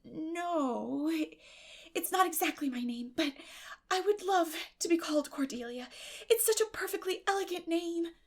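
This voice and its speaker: A woman voicing an eleven-year-old orphan girl, dramatic and imaginative, with a breathy, effusive, emotional delivery in a storybook reading. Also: very high voice, animated, unhurried, voice pushed up, heavily acted. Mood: eager pleading.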